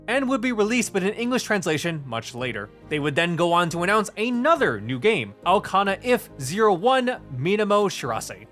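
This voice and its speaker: Male video essay narrator, highish voice, very animated intonation, scripted delivery.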